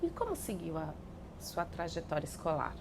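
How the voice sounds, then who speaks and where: A woman interviewing for an oral history archive, asking short, quiet questions from away from the microphone. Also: sits low, sing-song, moderate pace. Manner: quiet and attentive, short prompts. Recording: off-mic with noticeable hiss.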